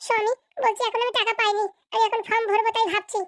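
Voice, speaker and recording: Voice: very high voice, flat delivery, fast talker, a bit bright. A performer voicing a meek, evasive young wife in a Bangla comedy cartoon, placating and protesting. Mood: pleading.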